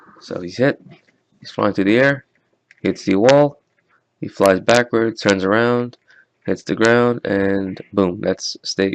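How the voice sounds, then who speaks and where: With long, frequent pauses and big swings in loudness, a medium-pitched man speaks at a very slow pace with ordinary pitch variation in a dry, close sound with no echo. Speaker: game modding tutorial maker. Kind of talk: screen-recorded coding tutorial.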